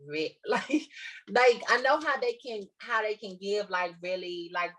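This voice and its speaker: A woman's voice: mid-range voice, measured pace, a bit bright, low-quality recording. A woman from Texas with a Southern Black American accent, telling a story casually and emphatically, repeating herself for effect. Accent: Southern African American English.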